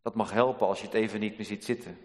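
A male pastor preaching a sermon in a church, earnest and measured, with dramatic pauses. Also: on the low side, steady tone. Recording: long church reverb.

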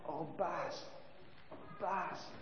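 A man's voice: sits high, fast talker, noisy background, natural voice. A man voicing a small, frail boy who speaks faintly and weakly in a children's story. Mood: feeble. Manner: faint, feeble and soft-spoken. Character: small frail boy, weak and half-frozen. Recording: echoey hall, dull sound.

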